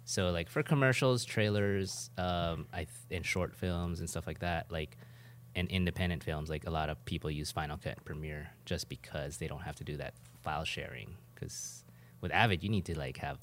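A man's voice: sits low, moderate pace, a bit bright, slight background noise. A man co-hosting a podcast, chatting casually and rambling off on tangents with a joking manner. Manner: rambling, jokey, goes off on tangents. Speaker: podcast co-host. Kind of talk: casual chat.

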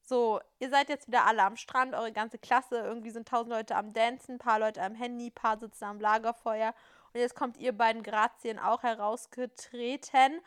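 A woman with a bright, crisp voice, a little higher than average, narrating a story game in a relaxed podcast chat. She reads along casually and slips into playful side remarks. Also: moderate pace. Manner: lively, playful, laughs often.

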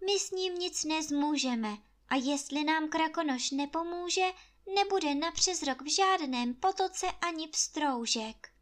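A young village woman in a fairy tale, high-voiced and animated. A woman reading aloud raises her pitch for her. She talks urgently and can snap sharply. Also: lightly acted. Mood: pleading. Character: lively young village woman, warm but sharp-tongued.

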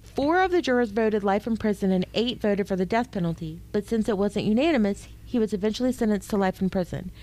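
A woman's voice: medium pitch, expressive, brisk, hardly any pauses, dark tone. A woman co-hosting a true-crime podcast, reacting emotionally and talking casually with fillers. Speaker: podcast co-host.

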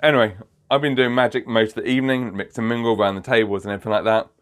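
Man, magician, podcast host, casual storytelling, laughs a lot, digresses, mid-pitched voice. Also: steady tone, racing. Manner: chatty, laughs often, digresses.

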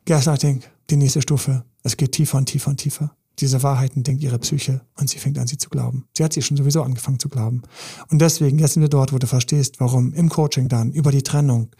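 A man's voice: mid-range voice, steady tone, fast talker, dark tone, husky. A man, a relationship coach giving an emphatic, intense podcast monologue full of repetition.

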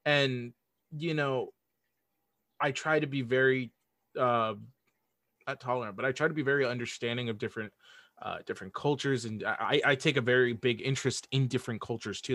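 A man's voice: mid-range voice, a bit bright, no echo, clean studio sound. A man speaking as a podcast guest in casual, opinionated conversation, earnest and emphatic, often repeating his points. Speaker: podcast guest, audio drama creator.

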